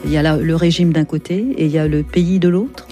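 A woman's voice: low-pitched, steady tone, brisk, mellow, soft background music. A woman hosting an interview, asking probing questions in a conversational manner. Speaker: interviewer host. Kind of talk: radio interview.

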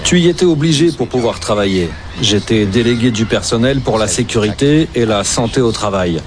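A man reading an earnest, steady voice-over translation for a port worker. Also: medium pitch, fairly quick, a little hiss or hum.

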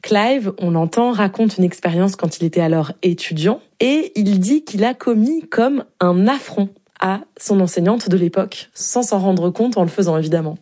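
A woman radio host presenting a culture segment and introducing her guests in a measured way. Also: medium pitch, mellow. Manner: clear, measured presenter delivery.

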